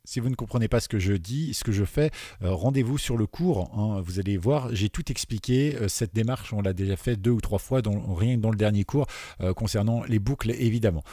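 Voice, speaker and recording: A man teaching beginners to code, explaining each step and often checking in with his listeners, with many fillers and dropping quieter while he types. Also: fairly low pitch, a little fast, no room sound, studio quality. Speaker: programming teacher. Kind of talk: screen-recorded coding tutorial. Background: keyboard typing.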